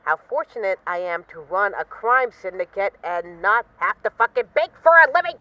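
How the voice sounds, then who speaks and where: A woman's voice: mid-range voice, animated, moderate pace, pushed and bright, dry recording, muffled recording. A woman playing a self-assured, bored mafia boss in an intimate voice-message roleplay, wry, boastful and affectionately teasing her partner. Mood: playful boasting. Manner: wry, boastful, teasing, mock-indignant, swearing casually.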